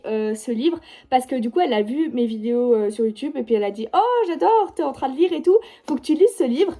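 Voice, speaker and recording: A woman's voice: a little high, warm tone. A young woman around eighteen with a Swiss French accent, chatting casually and rambling about her reading pile with constant fillers. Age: young adult, about 18. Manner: rambling, heavy with fillers like genre and du coup. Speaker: book vlogger. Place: at home by her bookshelf.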